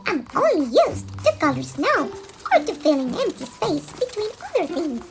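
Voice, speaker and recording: A woman's voice: very high-pitched, sing-song, normal speed, heavy background noise, heavily acted. A woman voicing a needy, hurt white crayon in a plaintive, dramatic storybook style. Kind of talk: storybook read-aloud.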